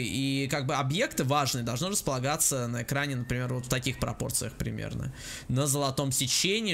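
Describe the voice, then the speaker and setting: A man hosting a let's play, commenting on the game in a lively, joking way with crude asides. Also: mid-range voice, vocal fry. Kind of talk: gameplay commentary.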